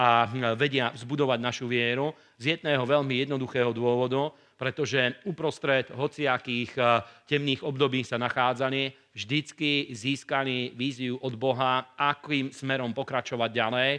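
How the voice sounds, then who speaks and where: A man speaks with monotone, flat intonation against a quiet background. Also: moderate pace. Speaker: preacher. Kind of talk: sermon. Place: church. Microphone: headset.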